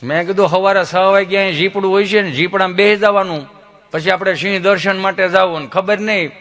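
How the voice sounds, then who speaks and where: Man, Kathiawadi Gujarati accent, folk comedian, high voice, lively stage storytelling. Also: a little fast. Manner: joking, animated, mimics people he quotes.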